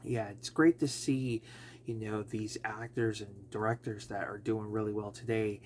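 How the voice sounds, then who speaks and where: A man with a slightly raspy voice from allergies, casually reviewing a film and rambling with many fillers and self-corrections. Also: lowish voice, fairly even intonation, moderate pace, a little hiss or hum.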